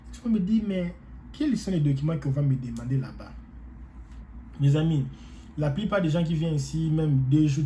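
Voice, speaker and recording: A man whose first language is not French talks casually to his viewers in a very dark, mellow voice. He rambles, repeats phrases and hesitates a lot. Faint ambient noise sits behind him. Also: medium pitch, low-quality recording. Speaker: vlogger giving advice. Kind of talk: casual advice talk to viewers.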